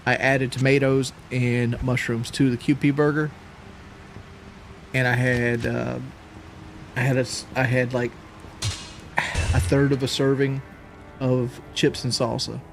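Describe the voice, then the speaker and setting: A man's voice: medium pitch, little pitch movement, unhurried, gravelly, long pauses, slight background noise. A man chatting casually on a live stream, out of breath after a workout, rambling and repeating himself as he talks.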